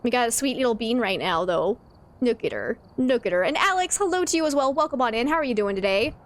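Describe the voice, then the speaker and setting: A woman with a slightly high, animated voice talks fast during a casual game stream. She's chatty with her viewers, frequently laughing and reading their messages aloud.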